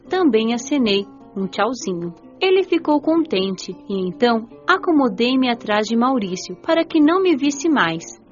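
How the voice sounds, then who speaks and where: A woman playing a gentle, playful young spirit who narrates an audiobook drama in an expressive storytelling manner. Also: on the high side, natural voice. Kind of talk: scripted first-person audiobook narration. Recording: dull band-limited audio, faint music.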